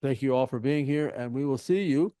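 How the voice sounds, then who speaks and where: A man's voice: mid-range voice, a little fast, warm tone, clear, resonant tone, no echo. An older man giving informal meeting announcements as the host, rambling and emphatic in his endorsements.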